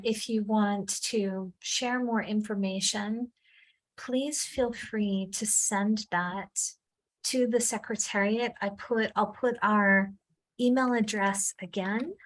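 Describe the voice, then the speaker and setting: Female facilitator, friendly and informal, unhurried pace. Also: medium pitch, poor audio. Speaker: meeting facilitator. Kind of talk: online meeting facilitation.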